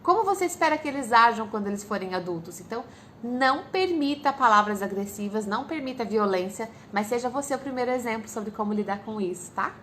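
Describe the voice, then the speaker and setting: A woman's voice: on the high side, animated, quick pace, a bit bright, a little hiss or hum. A woman in her thirties with a Brazilian Portuguese accent, hosting a live Q&A and giving parenting advice directly to viewers. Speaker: parenting educator and live stream host. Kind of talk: live Q&A chat, answering viewer questions.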